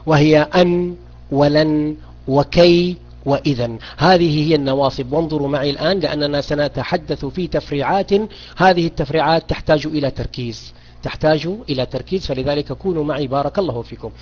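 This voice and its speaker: A man's voice: a little high, brisk, a little mellow. A man teaching a beginners' grammar lesson online, questioning students and repeating key points. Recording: dull lo-fi audio.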